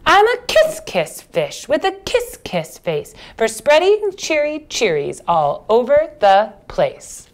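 A gloomy storybook fish, mopey and slow, as a woman puts him on. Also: mid-range voice, big pitch swings, smooth. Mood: cheery. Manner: droopy, mopey rhythmic chanting. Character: gloomy male pout pout fish, sulky.

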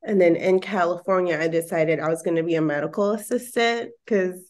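Chatty thirty-something woman, lower voice. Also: fairly quick, a little mellow. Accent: American. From Okinawa, Japan, and the Philippines. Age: 30s. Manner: chatty, laughs often, many "like" fillers. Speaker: podcast guest, bikini bodybuilder and personal trainer. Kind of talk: casual interview chat. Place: home living room, indoors. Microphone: earphone mic on a video call.

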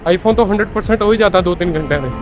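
A man's voice: high voice, racing, lo-fi sound, over music. A young man chatting casually as he vlogs outdoors on a snowy city street, mixing Hindi with English and calling viewers "bhai", recorded on a handheld camera. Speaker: vlogger. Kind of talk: casual walking-tour vlog.

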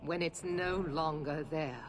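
An actress playing a severe, unyielding knight commander in a video game, formal and commanding. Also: female voice, deep voice, slow, noisy background. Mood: stern, cold. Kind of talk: dramatic video game acting. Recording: game audio with loud music.

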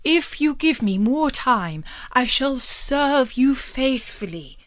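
Woman as an earnest, slow-spoken knight. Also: high-pitched, very animated, fairly bright tone, no room sound, voice pushed up, exaggerated voice. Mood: pleading. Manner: earnest, deliberate. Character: humble, earnest, honourable male knight. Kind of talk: storybook character reading.

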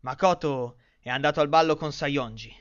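A man in an amateur anime fan dub playing a girl-crazy, excitable teenage schoolboy, melodramatic and swinging between outbursts and hushed lines. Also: on the high side, moderate pace, smooth, close to an everyday voice. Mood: subdued, serious. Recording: dull lo-fi home recording.

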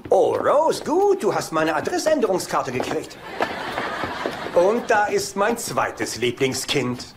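A man's voice: high voice, sing-song, slow, full character voice. An actor in a German sitcom dub playing a besotted, childishly stubborn older father, cheerfully oblivious. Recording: noisy TV soundtrack with ambience.

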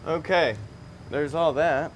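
A transmission mechanic with a fairly high voice speaks slowly as he presents a video from under a lifted truck in an auto repair garage, chatting to viewers in a folksy, casual way while he works. A camera a few meters away records him, and garage noise is clearly audible behind.

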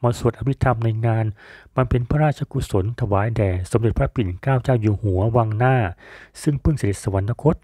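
A man narrating a folk tale about a monk in a calm, measured storytelling style. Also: mid-range voice, dry recording, studio quality.

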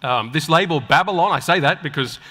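A man delivers a sermon in a forceful, bright voice pitched a little higher than usual. He is deliberate and emphatic, leaving rhetorical pauses. His words ring through a large hall with long reverb. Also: lively intonation. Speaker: preacher and guest speaker at a church conference. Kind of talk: sermon to a live audience. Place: large indoor auditorium, speaking on stage.

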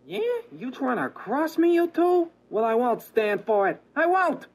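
A man's voice: very high voice, big pitch swings, a little slow, full character voice. A man playing a distrustful, hot-tempered gangster in a 1930s style radio drama, slangy and accusing. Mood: angry suspicion.

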